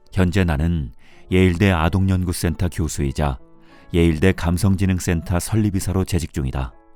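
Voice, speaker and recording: Music plays in the background as a man speaks at a moderate pace. His voice is very deep and low in pitch, with ordinary variation. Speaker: voice actor. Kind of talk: audiobook reading.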